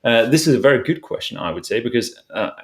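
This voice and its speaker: A man giving conversational financial commentary as an analyst and host, with halting, hesitant phrasing. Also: medium pitch, expressive. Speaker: show host and investment analyst.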